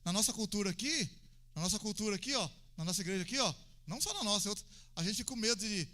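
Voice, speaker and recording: A Brazilian man preaching with a high, very bright and forceful voice. He keeps it colloquial and conversational and breaks into loud, high-pitched cries when acting out a prayer. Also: rapid-fire. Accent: Brazilian Portuguese. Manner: animated, acts out prayers with sudden loud high shouts. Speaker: pastor. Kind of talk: evangelical sermon.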